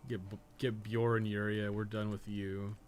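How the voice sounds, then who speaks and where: Male game streamer, lowish register, casual rambling commentary with swearing and joking asides, noisy capture. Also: level tone, unhurried. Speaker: video game streamer, podcast co-host. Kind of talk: casual live gameplay commentary, thinking aloud. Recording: clearly noisy background.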